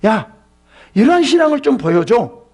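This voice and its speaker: A man voicing a firm, calm God. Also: very high-pitched, moderate pace, slightly rough, faint music behind, pitched above the performer's own voice, heavily acted. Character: firm, reassuring male God.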